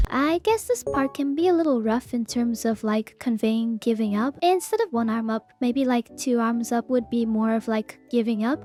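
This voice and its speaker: High-voiced woman, soft mellow tone. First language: Korean and English. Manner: hesitant, thinking aloud. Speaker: dancer and video host. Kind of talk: casual reaction commentary.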